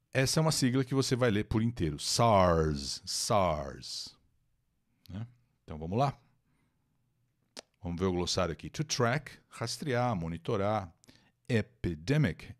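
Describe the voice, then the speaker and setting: Man, Brazilian Portuguese accent, English teacher, live-stream lesson, low pitch, animated intonation, repeats words, desk mic. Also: normal speed, pauses often. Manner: animated, repeats words for emphasis and greets chat viewers. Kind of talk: live-stream reading and translating an English article.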